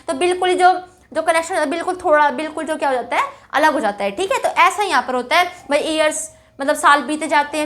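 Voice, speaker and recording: A young woman with a high, bright voice teaches an English chapter in Hindi. She talks in a chatty way, keeps checking in with her students, and reads English lines slowly before explaining them. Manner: chatty, calls students "bhai", keeps checking with "theek hai".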